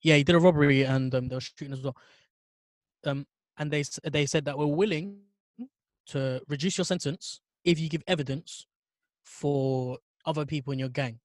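A man's voice: on the high side, normal speed, no echo. A man with a London roadman accent, chatting and arguing casually in street slang. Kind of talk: casual chat, debating.

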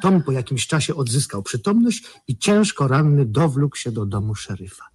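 A man's voice: mid-range voice, expressive, moderate pace, a little mellow, breathy edge, no room sound, studio quality. A man acting an anxious lover in a radio play, confiding and telling stories with relish. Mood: storytelling.

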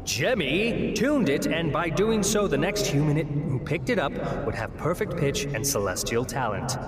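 A man's voice: a little high, lively intonation, normal speed, over a noisy crowd, close to an everyday voice. A man playing a haughty, fussy demon in an audio drama, exasperated and scornful of humans. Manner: exasperated, disdainful, theatrical. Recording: echoey hall with background noise.

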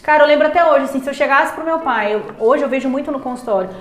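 A woman psychologist chatting on a podcast, blunt and animated, acting out the people she quotes. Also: high voice, rapid-fire. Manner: animated, blunt, acts out quoted parents and patients. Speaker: psychologist guest. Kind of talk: casual podcast chat. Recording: roomy echo.

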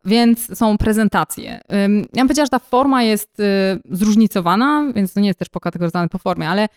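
A woman's voice: medium pitch, fairly quick, clean tone. A young woman co-hosting a podcast in casual conversation, explaining things at length with frequent hesitations and fillers. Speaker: podcast co-host.

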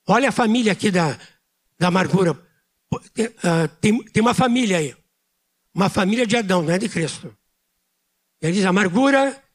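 A man preaching a sermon as pastor, speaking loudly with pauses and emphatic repetition. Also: sits high. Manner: speaks loudly by his own account.

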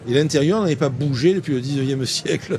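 Fast speech and a darkish tone mark this older man from Marseille, France, whose medium-pitched voice has a lightly mixed Marseille French accent. As an interviewed passer-by on an urban terrace with street noise, he drifts into mock-learned, playfully grandiloquent bar-chat philosophizing.

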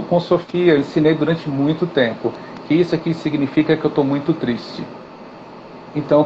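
A man, a guest teacher in a live interview, talking casually and acting out gestures and quotes as he tells stories. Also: on the high side. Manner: animated storytelling with gestures and acted quotes. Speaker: guest, swimming and physical education teacher. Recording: dull, slightly noisy audio.

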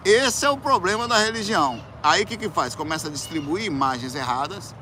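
A man with a Brazilian Portuguese accent, a musician casually telling a personal story, animated and colloquial, acting out quoted voices with loud outbursts. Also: high voice, fairly quick, slight background noise.

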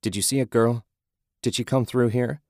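A man playing a desperate, shouting searcher. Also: mid-range voice, fairly even intonation, moderate pace, no echo, clean studio sound, voice pushed up, close to an everyday voice. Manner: urgent, shouting.

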